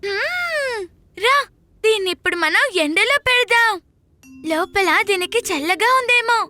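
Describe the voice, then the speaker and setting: A performer voicing an excitable, curious small child in a children's cartoon, with drawn-out exclamations. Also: extremely high pitch, faint music behind, exaggerated voice. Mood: eager. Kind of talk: animated children's cartoon dialogue.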